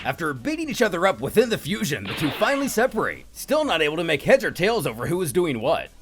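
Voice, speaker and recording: A man's voice: a little high, huge pitch swings, fast talker, a bit bright, soft background music. A man reading scripted narration for a comic story recap, as its narrator.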